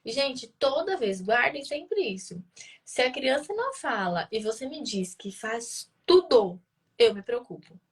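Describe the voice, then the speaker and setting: A woman's voice: fairly high pitch, sing-song, unhurried, slightly rough. A woman answers parents' questions in a live session, explaining patiently and posing rhetorical questions she then answers. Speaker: child speech-development educator answering parents' questions.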